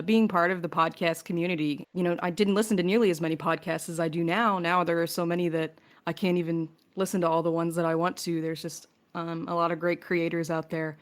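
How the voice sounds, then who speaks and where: A woman with a slightly low voice hosts a relaxed panel Q&A. She talks in a casual, conversational way as the host of the group. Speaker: podcast host, producer and voice actor.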